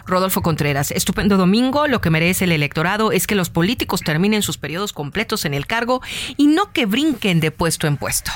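A Mexican woman co-hosts a live radio news program, reading listener messages aloud from a studio microphone. She chats between them with quick, friendly asides. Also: medium pitch, very animated. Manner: chatty, reads messages aloud with warm asides.

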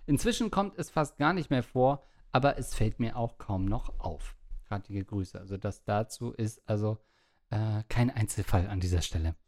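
A man's voice: fairly low pitch, animated, normal speed, darkish tone. Dry, matter-of-fact male podcast host. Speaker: podcast host reading listener mail. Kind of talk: casual chat and reading letters aloud.

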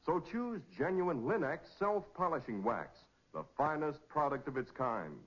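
Male American announcer, 1940s radio narration: emphatic, very lively delivery, dull vintage recording. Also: fairly high pitch, unhurried. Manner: polished, emphatic, dramatic.

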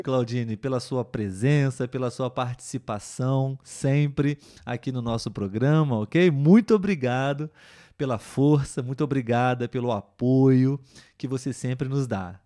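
A Brazilian man hosting a live podcast for learners of Portuguese, welcoming listeners with many fillers and pauses. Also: medium pitch, warm tone. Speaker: podcast host and Portuguese teacher.

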